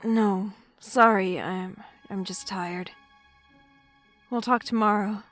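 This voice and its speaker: A woman's voice: mid-range voice, steady tone, a bit bright, soft background music. A woman playing a shy, anxious young woman with a hesitant manner in a naturalistic audio drama. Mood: sleepy, concerned. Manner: hesitant, halting.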